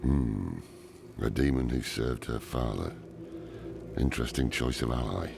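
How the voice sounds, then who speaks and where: Very deep, gravelly old demon hunter. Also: male voice, a little slow, background noise, full character voice. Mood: grim, pondering. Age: older. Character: gruff weary old male demon hunter mentor. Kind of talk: dramatic video game cutscene acting. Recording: loud music behind the voice.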